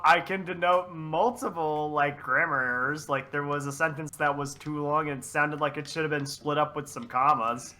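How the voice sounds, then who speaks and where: A man's voice: fairly high pitch, steady tone, normal speed, hardly any pauses, pushed and bright. A man taking part in a group reading with casual, joking chat. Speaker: co-reader.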